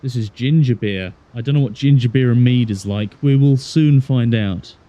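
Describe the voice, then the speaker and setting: A man's voice: mid-range voice, normal speed, warm tone, muffled recording. A man from Galway with a west of Ireland accent, chatting casually and commentating on his game as a livestreamer, musing aloud in an easygoing, wry way. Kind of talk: casual chat and gameplay commentary.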